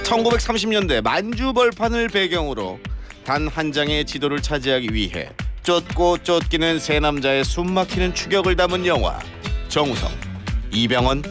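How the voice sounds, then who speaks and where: A man's voice: a little high, animated, normal speed, music in the background. A man hosting a radio phone-in quiz in a playful, exclamatory, teasing way. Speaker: radio quiz show host.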